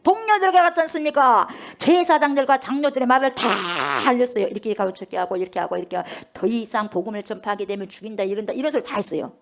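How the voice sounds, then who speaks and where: A woman's voice: mid-range voice, rapid-fire, few pauses. A woman pastor preaching a sermon, firing rhetorical questions and constantly addressing the congregation.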